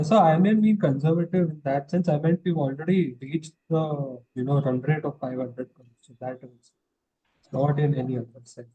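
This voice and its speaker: A man, an analyst asking polite, soft-spoken questions on a conference call. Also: medium pitch, husky. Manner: soft-spoken, polite, says sir often. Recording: muffled phone-line call.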